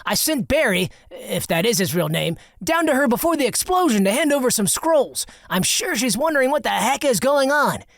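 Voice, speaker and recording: A man voicing an excitable, proud young factory owner with a high, theatrical voice. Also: normal speed, gravelly, hardly any pauses, no room sound, clean studio sound, exaggerated voice. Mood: eager. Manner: high-pitched, eager and theatrical.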